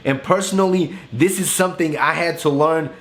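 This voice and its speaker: A young man from Bosnia hosting a finance channel, talking straight to the camera in an earnest, motivational monologue that slows down to stress key points. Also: fairly high pitch, fairly bright tone. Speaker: finance YouTube host.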